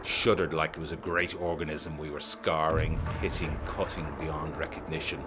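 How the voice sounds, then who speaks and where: An actor playing a haunted, introspective 1920s gentleman and former army captain, reading a letter in a formal, measured, grave way in a gothic audio drama. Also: a bass voice, little pitch movement, loud music behind the voice. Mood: haunted, dread.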